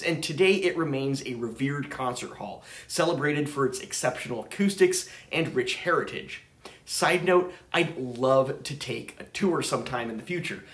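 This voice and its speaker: A man's voice: mid-range voice, fairly bright tone, echoey room. A man in his thirties hosting a vinyl channel, narrating his trip in an enthusiastic, chatty way. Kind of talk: casual travel vlog narration. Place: room with record shelves.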